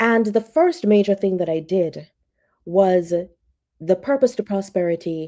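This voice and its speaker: The voice carries a Jamaican accent and a dark, mellow tone. Its intonation is lively. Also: woman. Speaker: motivational speaker. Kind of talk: interview.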